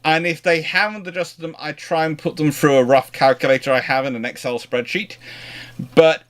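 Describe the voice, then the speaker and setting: A man hosting an informal history question-and-answer chat, talking in a discursive, halting way and often rephrasing mid-sentence. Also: on the high side, steady tone. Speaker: naval history livestream host answering questions.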